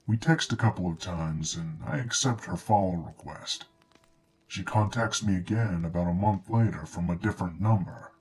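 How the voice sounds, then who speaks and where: A man reading a scripted first-person horror story in a measured, understated way, as a narrator. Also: sits low, a little mellow, poor audio. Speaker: narrator of true scary stories. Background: background music.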